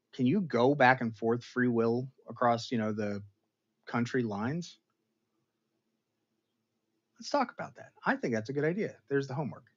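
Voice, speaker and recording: A man hosting an online show, casually recapping a television episode for his live chat in an animated, storytelling manner with sudden dramatic outbursts. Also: mid-range voice, lo-fi sound. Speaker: show host reviewing an episode.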